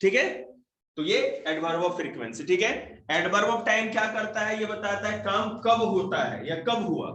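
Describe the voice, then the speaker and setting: A man's voice: sits high, animated, slow pace, fairly bright tone. A man with a Hindi accent teaching grammar to a classroom of children, joking and quizzing pupils by name. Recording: echoey room, faint noise.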